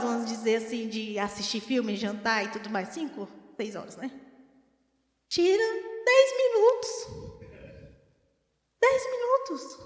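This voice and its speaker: A woman with a Brazilian Portuguese accent preaching a teaching sermon in an animated way, acting out the voices she quotes. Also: a little high. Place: church hall. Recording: echoey church hall.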